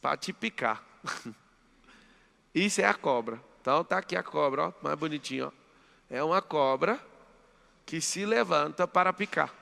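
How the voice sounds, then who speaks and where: A man's voice: on the high side, animated, moderate pace, creaky, long pauses, sharp tone. A Brazilian Portuguese-accented man mentoring a live audience in a large hall, speaking emphatically and telling listeners what to write down. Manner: emphatic, drills the audience with commands. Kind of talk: live motivational seminar talk. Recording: long hall reverb.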